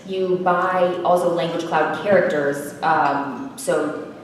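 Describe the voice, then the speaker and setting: Brief: woman software presenter, casual, halting, lots of "um", slightly low voice, echoey room from a distance. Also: steady tone. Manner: casual, hesitant, many fillers and restarts. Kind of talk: conference presentation with audience questions. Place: conference room. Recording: echoey room, mic far off, faint noise.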